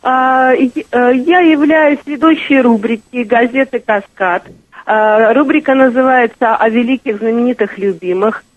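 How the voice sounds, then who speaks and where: A woman's voice: fairly high pitch, fairly even intonation, a little slow, dry recording. A woman journalist calling in to a radio interview, answering hesitantly with many fillers. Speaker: journalist and guest. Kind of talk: phone-in interview. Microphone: telephone. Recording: tinny phone line.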